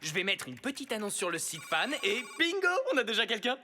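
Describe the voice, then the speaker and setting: A woman's voice: medium pitch, very animated, a little fast, bright, forceful tone, slight background noise. A woman playing a cocky, self-centred young superhero in a French cartoon dub, breezy and boastful. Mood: casual, flippant. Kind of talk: French-dubbed animated cartoon acting.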